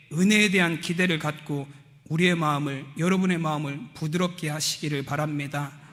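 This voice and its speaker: With audible room echo around him, a man speaks at a fairly high pitch with fairly even intonation. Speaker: pastor. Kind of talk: sermon.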